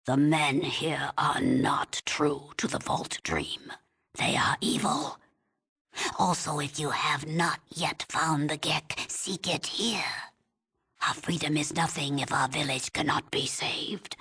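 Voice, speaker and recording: A woman playing a weary, stern old tribal elder in a video game, with a breathy, husky rasp and a solemn, halting, commanding manner. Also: low voice, sharp tone, heavily acted. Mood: stern, urgent. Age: older. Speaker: village elder. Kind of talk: dramatic video game voice acting.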